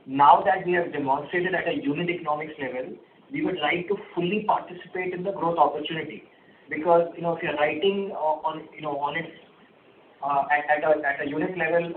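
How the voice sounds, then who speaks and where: Higher-voiced man on echoey phone line. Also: slight background noise. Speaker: company executive. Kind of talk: answering analyst questions on an earnings call. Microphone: conference call phone line.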